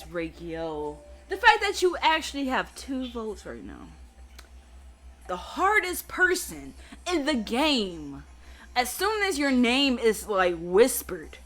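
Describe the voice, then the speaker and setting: A woman hosting a let's play, giving excitable game commentary that often stammers and reacts out loud. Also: on the high side.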